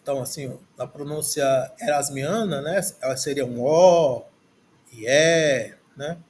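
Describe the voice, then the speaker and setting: Slow, halting Brazilian teacher. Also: male voice, fairly high pitch, darkish tone. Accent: Brazilian Portuguese. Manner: repeats words aloud, thinking as he reads. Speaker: Greek language teacher. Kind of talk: slow, halting lesson, going through a textbook. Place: at a desk, screen recording.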